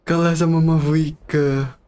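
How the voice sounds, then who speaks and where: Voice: medium pitch, flat delivery, moderate pace, a little mellow, smooth. An Indonesian-accented streamer of unclear sex giving short, slangy, casual reactions while playing a video game. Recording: game music behind voice.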